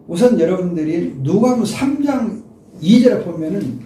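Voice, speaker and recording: A man's voice: sits high, lively intonation, normal speed, warm tone, recorded from a distance. Older male pastor preaching in an echoey room. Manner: emphatic preaching, addresses listeners directly. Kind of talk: expository sermon.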